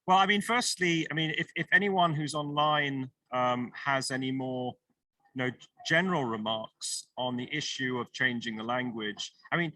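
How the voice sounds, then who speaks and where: A man's voice: medium pitch, steady tone, normal speed, pushed and bright, no room sound, low-quality recording. A man moderating an online panel discussion, encouraging and thinking aloud as he goes. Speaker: session moderator.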